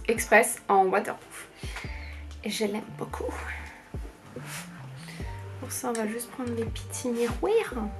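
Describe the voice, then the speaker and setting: Young female beauty vlogger, fairly high-pitched voice, chatty and rambling, faint music under her. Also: fairly bright tone. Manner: chatty, rambling, many fillers. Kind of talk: casual makeup tutorial chat.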